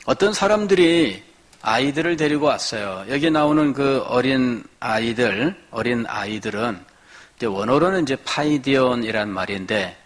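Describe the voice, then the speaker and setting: A man's voice: mid-range voice, a bit bright. A man preaching a midweek sermon as pastor, explaining scripture and acting out quoted voices. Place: church.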